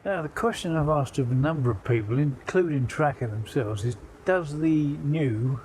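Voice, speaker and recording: A man's voice: fairly high pitch, moderate pace, a little mellow, low-quality recording. A man chatting to camera outdoors with dry, self-deprecating humour. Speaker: angler vlogger. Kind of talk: casual chat to camera.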